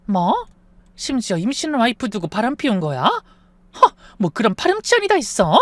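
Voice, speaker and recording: A man voicing a shrill, outraged older mother-in-law in a narrated drama story, shrieking and accusing. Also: huge pitch swings, takes it slowly, sharp tone, no echo, exaggerated voice. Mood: shocked.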